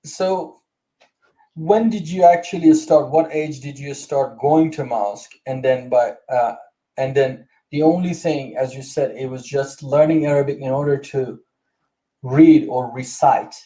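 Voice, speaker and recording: A man's voice: mid-range voice, unhurried, warm tone, low-quality recording. A man interviews a guest, asking hesitant, searching questions and murmuring often as he listens. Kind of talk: conversational interview.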